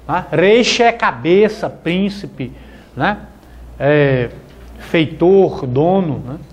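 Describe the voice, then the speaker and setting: A man teaching a classroom lesson, who repeats each word and ends his phrases with "né?" and "tá?". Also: high-pitched. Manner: slow and deliberate, repeating words and ending with "né?" and "tá?". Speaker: Hebrew teacher. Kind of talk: classroom lecture.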